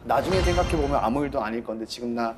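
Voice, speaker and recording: A man's voice: mid-range voice, music in the background. A man on a career advice panel who earnestly encourages a worker to find small joys in everyday life. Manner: earnest and encouraging, rapid talker. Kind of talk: casual advice-giving.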